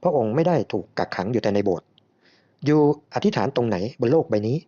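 A soft-spoken, devout Filipina woman, as a male narrator puts her on, patient and coaxing as she speaks slowly and calmly. The voice stays mellow and warm, and the recording is a little muffled and lo-fi. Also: medium pitch, natural voice. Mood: gentle. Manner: slow, calm, coaxing delivery.

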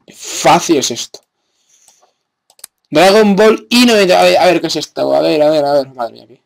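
A man's voice: on the high side, normal speed, vocal fry. A young man with a Spain Spanish accent giving gameplay commentary, sarcastic and exasperated, with frequent cursing. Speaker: gamer.

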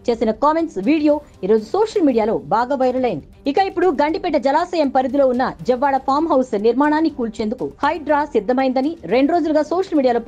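Female news voice-over, rapid delivery, slightly dull lo-fi sound. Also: sits high, a little mellow. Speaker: news narrator. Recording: dull lo-fi audio under music. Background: background music bed.

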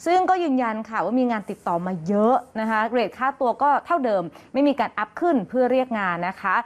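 Fast-talking woman news host. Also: a little high, lively intonation. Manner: chatty, reads items quickly with polite particles. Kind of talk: casual news chat.

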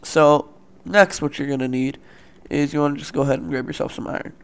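A young man hosting a let's play, talking loosely with lots of fillers, his voice a bit raspy from the morning, at a desktop mic at home. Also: fairly high pitch, steady tone, a little fast. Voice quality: loose, rambling, filler-heavy. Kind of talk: casual gameplay commentary.

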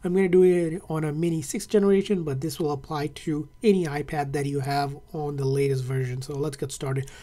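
Male tech host, relaxed mellow voice, easygoing tutorial narration at a desk. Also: on the high side, fairly quick, hardly any pauses. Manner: casual, friendly, with fillers. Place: indoor desk setup, hands on tablet.

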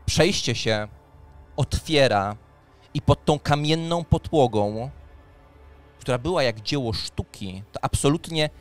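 A man in his thirties narrates a role-playing session as game master, speaking slowly at a medium pitch. He's close to a studio microphone on a boom arm and wears headphones, with faint music in the background.

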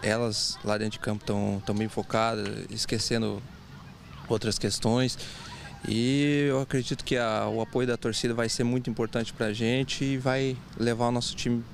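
A man's voice: mid-range voice, little pitch movement, moderate pace, vocal fry, a little hiss or hum. A man coach speaking steadily and confidently in a TV news interview. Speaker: team coach.

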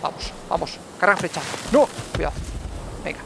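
A man commentates gameplay with a high, gravelly voice, swinging widely between low mutters and excited calls. He repeats words in rapid bursts and talks to himself, over faint game noise. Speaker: gaming YouTuber.

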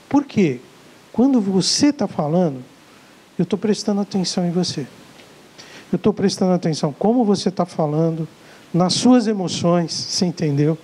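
A man's voice: sits high, mellow, breathy edge, poor audio. A man with a Brazilian Portuguese accent giving a live sales-coaching lecture to an audience, emphatic and repetitive, acting out short dialogues. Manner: emphatic, repeats key words, acts out dialogues.

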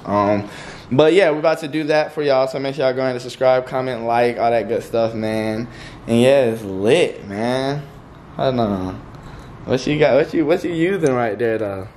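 A man's voice: medium pitch, normal speed, a little mellow, slight background noise. A young man hosting his vlog in casual, slangy chat, talking straight to his viewers. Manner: laid-back slangy chatter, calls viewers "y'all". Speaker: YouTuber host.

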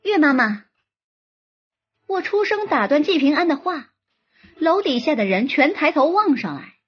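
A young woman reading a romance novel in first person with lively, expressive storytelling. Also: sits high, normal speed. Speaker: audiobook narrator. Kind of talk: scripted first-person narration. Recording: slightly muffled with soft music.

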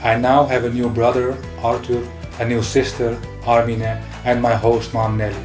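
A man's voice: medium pitch, monotone, moderate pace. Man in his twenties from Holland. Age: 20s. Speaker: volunteer. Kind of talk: casual talk to camera. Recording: echoey room with guitar music.

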